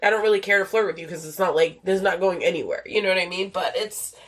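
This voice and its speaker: A woman's voice: lowish voice, quick pace. Young woman host, loose rambling podcast chat, swears freely, stuffy nasal voice from a cold. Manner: rambling, swears a lot, many fillers. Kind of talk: casual solo podcast chat.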